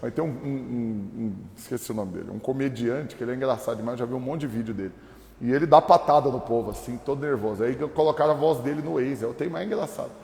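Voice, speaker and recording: A man from Brazil, a pastor, preaching a lively, humorous sermon full of acted-out voices. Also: medium pitch, fast talker, vocal fry. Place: church hall. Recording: echoey hall reverb.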